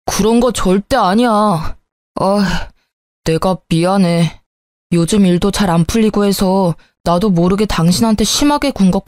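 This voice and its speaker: A woman voicing an irritable, evasive young husband in a lowered, grumbling voice for a narrated story. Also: darkish tone, no room sound, studio quality, close to an everyday voice. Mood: apologetic.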